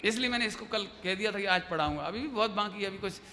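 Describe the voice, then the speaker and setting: A man delivers a devotional discourse with a high, bright, ringing voice. He tells stories with energy and keeps putting questions to his listeners. The sound carries a long hall reverb over a faint background hiss. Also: quick pace. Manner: lively storytelling, asks the audience questions. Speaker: religious teacher giving a discourse. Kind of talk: devotional sermon.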